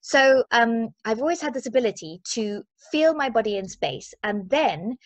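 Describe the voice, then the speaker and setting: A woman in her forties from Zimbabwe, talking casually as an interview guest in a chatty, playful, expressive way. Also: on the high side, normal speed, dry recording. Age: 40s. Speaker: interview guest, mindset and movement coach.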